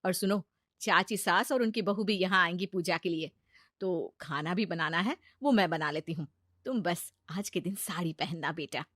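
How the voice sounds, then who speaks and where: Woman doing a gentle, motherly mother-in-law. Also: mid-range voice, lively intonation, a little slow, no echo, clean studio sound. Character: kind middle-aged mother-in-law, gentle.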